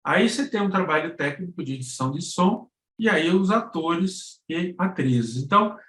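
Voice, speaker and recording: A man with a high-pitched, expressive, somewhat bright voice speaks at a moderate pace as a guest instructor in a live online lesson from an indoor room. He explains things informally and often checks in with short tag questions, and the live-stream audio is roomy and echoing.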